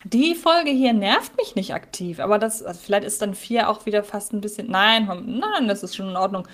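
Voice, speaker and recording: A woman's voice: mid-range voice, lively intonation, moderate pace, a bit bright. A woman co-hosting a podcast in casual chat, thinking aloud with many fillers and restarts. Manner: thoughtful, hesitant with many fillers. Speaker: podcast co-host.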